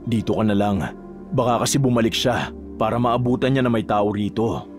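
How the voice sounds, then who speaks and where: A man voicing a grim young male aswang hunter who speaks low, steady and stern. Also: a little fast, over music, close to an everyday voice. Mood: urgent. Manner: low, steady, stern; shouts in a rage when calling out.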